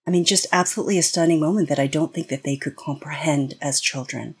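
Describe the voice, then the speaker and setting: A woman's voice: deep voice, fast talker, slightly rough. An American woman speaking as a guest on an interview podcast, explaining in an earnest way with frequent restarts. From United States. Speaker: guest expert.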